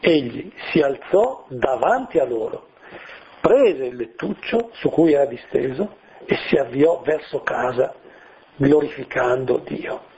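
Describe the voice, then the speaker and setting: A man's voice: mid-range voice, lively intonation, a little slow, darkish tone, lo-fi sound. A middle-aged man, a priest, preaching a sermon in a conversational way, asking his listeners questions and acting out little voices.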